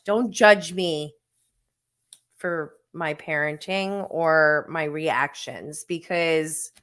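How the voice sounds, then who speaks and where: A woman in her forties, vlogging to camera as she tells a story in a casual, animated and self-deprecating way, with frequent laughs. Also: fairly low pitch. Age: 40s.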